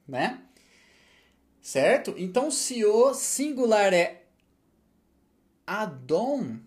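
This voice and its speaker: A man's voice: sits high, darkish tone. A man teaching a language lesson, checking understanding with frequent tag questions and answering his own rhetorical questions. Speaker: Hebrew teacher. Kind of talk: explanatory lesson.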